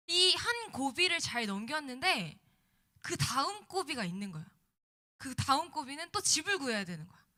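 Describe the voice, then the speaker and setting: A woman's voice: sits high, pushed and bright. A woman youth pastor preaching conversationally to middle schoolers, her diction slightly slurred by swelling after having wisdom teeth out. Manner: conversational, checking in with young listeners. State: mouth swollen after wisdom tooth removal. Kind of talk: sermon.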